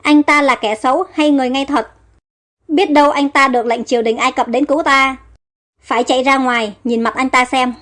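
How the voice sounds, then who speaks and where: A woman's voice: high voice, steady tone, a little fast, a bit bright. Woman reading as an anxious young heroine. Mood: wondering.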